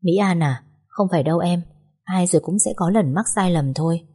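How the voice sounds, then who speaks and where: A woman voicing a caring, troubled young husband, talking softly and reassuringly. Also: on the low side, fairly quick, slightly rough. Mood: tender. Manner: soft, reassuring, hesitant.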